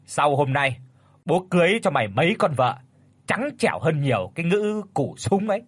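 A gruff, bossy old father barks orders in a quick, irritable voice, as a male storyteller puts him on. The husky voice swings widely in pitch against a dry backdrop of faint music. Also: big pitch swings. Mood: angry. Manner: shouting, snapping.

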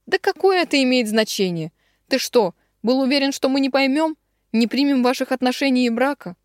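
A woman's voice: medium pitch, lively intonation, moderate pace, dry recording, studio quality, natural voice. A woman reading an audiobook, voicing an older man, a father who questions pointedly. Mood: pressing. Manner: pressing, interrogating.

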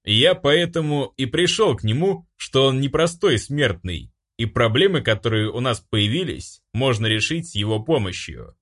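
A man's voice: mid-range voice, animated, moderate pace, hardly any pauses, fairly bright tone, pitched above the performer's own voice. A man voicing a mischievous male demon who mocks and laughs at his companions. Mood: amused. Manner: mocking, laughing, raised voice.

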